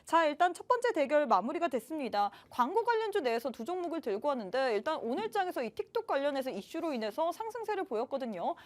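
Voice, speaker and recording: A woman's voice: sits high, sing-song, fast, hardly any pauses. A woman hosting a live stock show in a chatty, promotional way, urging viewers directly to join in. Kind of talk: promotional live broadcast presenting.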